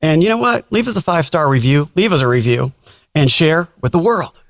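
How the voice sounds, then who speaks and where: A man's voice: on the high side, lively intonation, a little fast, no echo, studio quality. A man chatting casually as a podcast host, informal and encouraging, rambling along with some animation. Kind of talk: casual chat.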